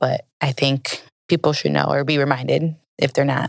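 A woman with a very deep, low pitch and an American accent at a fairly quick pace, in a dry, close sound with no echo. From Milwaukee, US Midwest. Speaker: university diversity program administrator. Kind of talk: interview, personal story.

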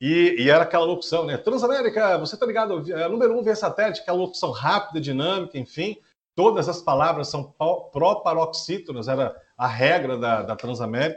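The man's pitch is high. His intonation moves in a lively way. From Minas Gerais, Brazil. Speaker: radio announcer and speaker. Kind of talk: casual interview chat.

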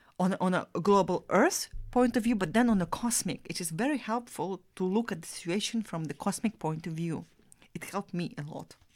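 A woman with a non-native accent, medium pitch and ordinary pitch variation, at a fairly quick pace, in a very clean recording with a silent background. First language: not English. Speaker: podcast host. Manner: hesitant, many fillers.

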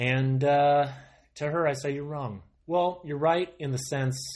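A man at a medium pitch against a quiet background. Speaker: stand-up comedian and podcast host. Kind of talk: casual comedic monologue. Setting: home recording, solo. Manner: alternates between mumbly quiet and loud; loud.

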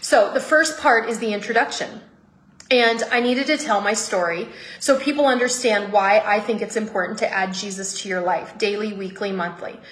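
A woman talks at a fairly high pitch with ordinary pitch variation. Audible room echo and noticeable background noise are present. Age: 40s. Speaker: Bible teacher and author. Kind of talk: Bible study teaching with personal testimony.

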